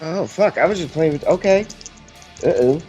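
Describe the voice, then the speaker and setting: A man's voice: on the high side, expressive, normal speed, dark tone, slightly rough, faint music behind. A man playing a tabletop roleplaying game, talking casually and speaking for his character.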